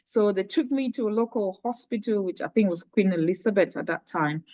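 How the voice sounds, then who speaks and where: A woman's voice: medium pitch, fairly quick, a little mellow, no echo. A middle-aged woman from Cameroon, a charity founder earnestly telling her personal story in an interview, often restarting her phrases.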